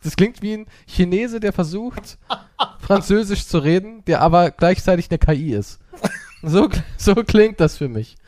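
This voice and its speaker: Teasing man with a higher, lively voice. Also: normal speed. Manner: teasing, playfully mocking. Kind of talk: casual banter.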